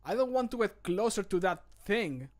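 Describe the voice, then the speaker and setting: An emphatic fantasy game companion acted by a man, pitched fairly high. Short exclaimed lines come out urgent, as recorded voice lines for a mod. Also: animated, moderate pace. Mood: uneasy.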